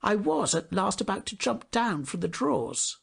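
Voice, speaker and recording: A man's voice: high voice, big pitch swings, moderate pace, vocal fry, breathy edge, voice pushed up, full character voice. A man voicing a melancholy, lonely pewter toy soldier in a storybook, lamenting in a plaintive, dramatic way.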